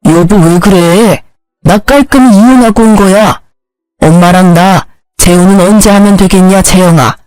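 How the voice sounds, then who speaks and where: A woman's voice: mid-range voice, normal speed, a little mellow, no echo, soft background music, lightly acted, rough recording. A woman reading the part of a selfish, sick middle-aged ex-husband who whines and demands. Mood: whining. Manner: whining, demanding.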